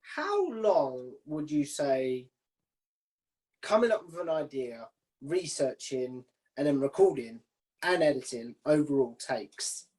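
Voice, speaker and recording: A man's voice: medium pitch, big pitch swings, slow, darkish tone. A man hosting a casual interview, putting his questions together informally as he speaks. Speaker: interviewer, podcast host.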